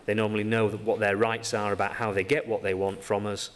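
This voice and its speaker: A man with a Yorkshire accent delivers a conference lecture, pausing often with ums and poking fun at himself. His voice sits a little low. The sound carries a long hall reverb over a faint background ambience. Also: flat delivery, a little hiss or hum. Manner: halting, many ums, self-deprecating. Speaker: conference speaker.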